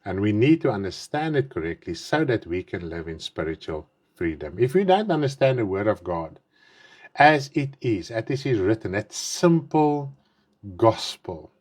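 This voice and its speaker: A man's voice: on the low side, big pitch swings, moderate pace, a little mellow. A man in his fifties whose first language is Afrikaans, preaching an online sermon in English with an Afrikaans accent. He talks earnestly, repeating and rephrasing himself with emphatic stresses, and says his mouth is dry. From South Africa. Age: 50s. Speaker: pastor.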